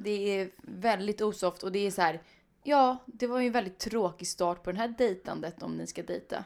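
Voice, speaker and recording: A woman talks in an unremarkable speaking voice, keeping a moderate pace and ordinary pitch variation. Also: medium pitch for a woman. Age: 30s. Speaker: podcast co-host. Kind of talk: casual chat.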